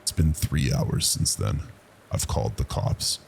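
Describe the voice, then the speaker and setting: A man narrating a scripted first-person horror story in a low, haunting, gravelly voice. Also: unhurried, a little mellow, slight background noise. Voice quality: very deep, gravelly.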